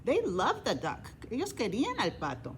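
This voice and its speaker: A woman's voice: mid-range voice, huge pitch swings, normal speed, slight background noise. A woman librarian reading a children's story aloud, each line in English then Spanish, with animal sounds.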